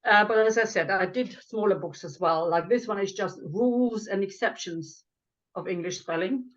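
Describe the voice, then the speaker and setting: An older woman who grew up in Lithuania explains her work in an earnest, conversational way, with a dry aside now and then. Her voice sits at a middle pitch. The recording sounds dull and lo-fi, like call audio. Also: normal speed. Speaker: author and guest.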